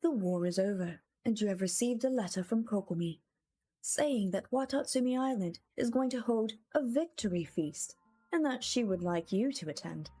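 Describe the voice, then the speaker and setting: A woman's voice: medium pitch, lively intonation, normal speed, warm tone, breathy edge. A woman streaming a video game and chatting casually with her viewers in a playful, giggly way. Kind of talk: casual live-stream chat. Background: faint game music.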